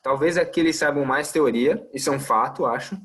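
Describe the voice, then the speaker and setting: A man's voice: medium pitch, brisk, fairly bright tone. A young adult man from Brazil with a Brazilian Portuguese accent, a medical resident talking in a casual podcast chat, thoughtful and full of fillers. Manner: thoughtful, many fillers and trailing asides.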